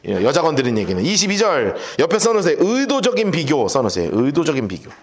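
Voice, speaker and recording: A man's voice: a little high, fast talker. A male pastor giving a Bible study sermon in a church, casual and colloquial, often acting out little scenes. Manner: lively, colloquial, acts out scenes.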